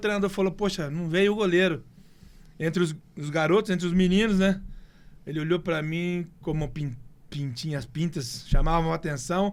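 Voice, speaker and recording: This man's voice sits high in pitch with ordinary variation. He keeps to a moderate pace. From interior of São Paulo state, Brazil. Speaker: former footballer and coach. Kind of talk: interview.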